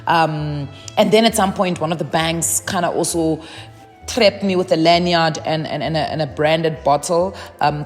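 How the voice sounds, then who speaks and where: A South African personal finance YouTuber gives casual money advice, chatting with lots of "um"s and repeated words. Her voice is deep and sounds as if she is in a large hall.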